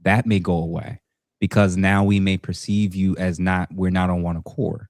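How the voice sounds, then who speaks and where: A podcast host, a man, calmly clarifying points and moderating a panel talk. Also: deep voice, no room sound, studio quality. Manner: measured, clarifying, affirming with frequent "mm-hmm".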